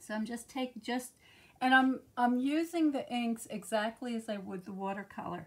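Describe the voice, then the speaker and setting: Speech comes at a moderate pace. There's a somewhat breathy sound to it. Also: woman. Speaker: art teacher. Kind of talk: tutorial. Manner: casual, chatty.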